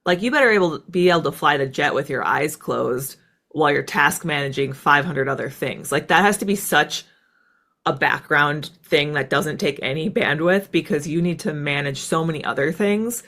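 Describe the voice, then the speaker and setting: A woman's voice: low-pitched, normal speed, a bit bright. An American woman talking as an interview guest in a casual, reflective storytelling style, often dropping in "like" and "right.". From United States. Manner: conversational, peppered with "like" and "right". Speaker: interview guest, former military fighter pilot.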